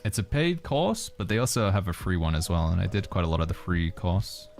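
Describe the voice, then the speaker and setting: Deep-voiced man chatting on stream. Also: brisk, vocal fry, soft background music. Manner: relaxed, reads viewer questions aloud and muses with hedging asides. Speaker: streamer answering chat. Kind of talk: casual livestream chat while playing.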